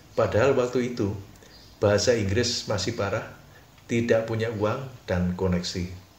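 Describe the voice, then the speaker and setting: Audible room echo surrounds a man with a medium pitch and fairly even intonation. He keeps a moderate pace, with long, frequent pauses. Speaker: motivational educator. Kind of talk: scripted narration.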